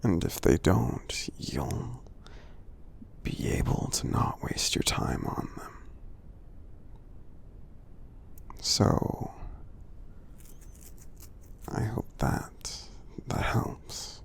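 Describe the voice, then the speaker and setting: A man voicing a friendly, gentle giant in an ASMR roleplay, tender and encouraging, in a breathy, gravelly whisper with slow, soothing, halting delivery. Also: fairly low pitch, big pitch swings, exaggerated voice. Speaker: ASMR performer.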